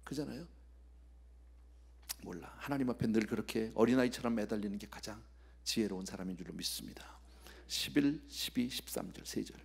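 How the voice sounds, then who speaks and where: A man's voice: fairly low pitch, fairly quick, creaky, long pauses, breathy edge. A male pastor preaching an expository sermon at a midweek prayer service. He acts out scenes, drops to whispers and puts rhetorical questions straight to the congregation.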